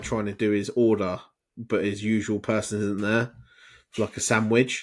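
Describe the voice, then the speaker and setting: In a very clean recording with a silent background, a man mumbles at a fairly low pitch and fairly slow pace with monotone, flat intonation. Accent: English. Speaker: podcast co-host. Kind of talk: casual chat. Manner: mumbling.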